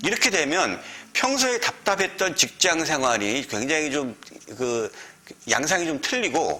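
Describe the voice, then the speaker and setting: Very wide pitch swings from a male speaker, noticeable background noise underneath. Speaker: fortune-telling lecturer. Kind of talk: lecture. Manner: halting.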